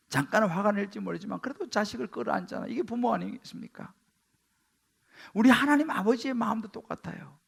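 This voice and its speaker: A man, the senior pastor, preaching a Sunday sermon in a church sanctuary, swinging between loud exclamations and hushed asides. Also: high-pitched, creaky, slightly rough.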